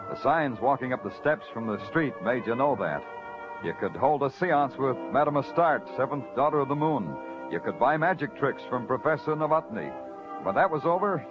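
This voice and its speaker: A man's voice: medium pitch, close to an everyday voice. Terse, hard-boiled detective narrator voiced by a man; dull old radio sound, music behind. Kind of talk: 1950s radio drama narration. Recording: muffled old radio broadcast with score.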